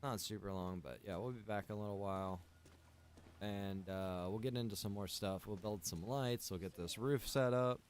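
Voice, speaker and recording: Casting: young adult male streamer, low-ish voice, loose rambling chat with viewers. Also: normal speed, a little hiss or hum. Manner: rambling, relaxed, chatty with viewers. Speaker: streamer and server owner. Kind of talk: casual gaming stream chat.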